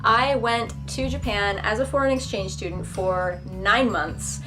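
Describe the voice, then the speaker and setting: A young woman vlogger talking casually to the camera, chatty and self-deprecating, breaking into quick voiced asides. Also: mid-range voice, music in the background, low-quality recording.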